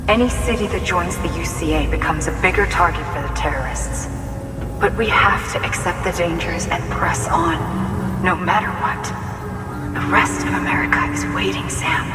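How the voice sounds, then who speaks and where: A woman's voice: lowish voice, close to an everyday voice. Brief: earnest game leader, a woman voicing her, heard from far off in a roomy echo over music. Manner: earnest, solemn, hushed. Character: solemn leader urging a courier onward. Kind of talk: video game cutscene acting.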